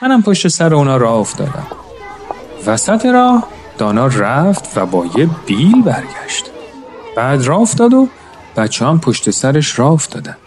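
A man narrating a story in a calm, measured way, now and then addressing his listeners as friends. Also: mid-range voice, slight background noise. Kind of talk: scripted narration.

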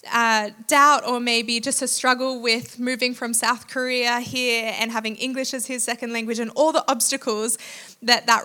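A woman with a bright, clear voice introduces the guest speaker at a church service. Her pitch sits a little high, and she pauses often between her thoughts. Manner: warm, with frequent "uh" pauses, slows for scripture. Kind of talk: introduction and scripture reading.

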